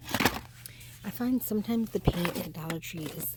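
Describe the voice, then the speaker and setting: There is noticeable background noise behind a woman's voice. Her pitch varies an ordinary amount. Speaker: shopping vlogger. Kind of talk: shop-with-me vlog. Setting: inside a store. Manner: quiet, hushed.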